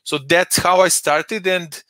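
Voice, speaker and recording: A middle-aged man whose first language is Serbian answers interview questions over a headset. His voice is bright and a little high, with a close, dry sound and no room around it. He speaks in a measured way, full of hesitant fillers. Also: fairly even intonation, no room sound. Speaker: interview guest, data professional. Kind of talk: casual video-call interview. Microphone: headset on a video call.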